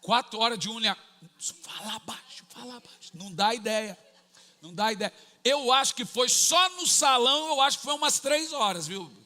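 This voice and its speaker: A Brazilian man in his forties preaches with a high, very bright voice. He tells jokey family stories and acts out the dialogue in lively bursts. A long reverb from the church hall trails his words. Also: moderate pace. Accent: Brazilian Portuguese. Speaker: pastor. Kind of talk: sermon.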